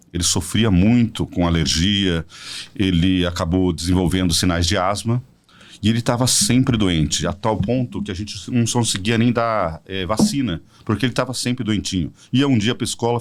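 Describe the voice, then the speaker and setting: A man in his forties from São Paulo, a podcast guest telling a personal story as a smooth sales pitch. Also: brisk. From São Paulo state, Brazil. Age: 40s. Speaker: podcast guest, product representative. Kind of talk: casual promotional chat.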